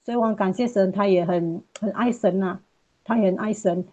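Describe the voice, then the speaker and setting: A middle-aged woman from Malaysia telling her personal testimony as a mother, earnest and repetitive, ending phrases with soft particles. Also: mid-range voice, fairly quick, muffled recording.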